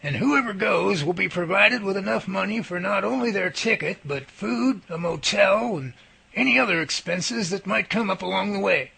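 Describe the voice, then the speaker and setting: A man playing a businesslike research team leader with a raspy, gravelly voice, briefing deliberately in an audio drama. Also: high voice, expressive, sharp tone, full character voice.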